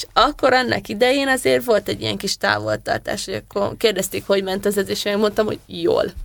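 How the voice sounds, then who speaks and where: A woman speaks at a fairly quick pace. She leaves hardly any pauses. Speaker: sprint kayaker. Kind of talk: interview. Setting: studio.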